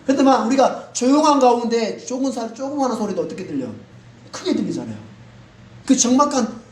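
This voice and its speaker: A pastor delivers a sermon with real emphasis and a lively, rising and falling delivery, pressing listeners with rhetorical questions. The voice rings through a reverberant church hall, picked up from across the room. A faint hiss sits underneath. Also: mid-range voice, a little fast. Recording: echoey room, mic at a distance.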